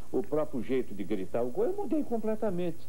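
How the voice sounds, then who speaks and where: A man's fairly quick speech over noticeable background noise. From Brazil, São Paulo state. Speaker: radio football commentator. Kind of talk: interview answer.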